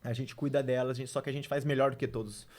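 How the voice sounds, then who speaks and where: A man's voice: medium pitch, steady tone, fast, darkish tone. A man who is a missionary, talking as a guest on a podcast and telling faith stories in an earnest, emphatic way. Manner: earnest, testimony-style storytelling with frequent "né" and "cara"; emphatic, preacher-like when making his point. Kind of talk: casual podcast conversation.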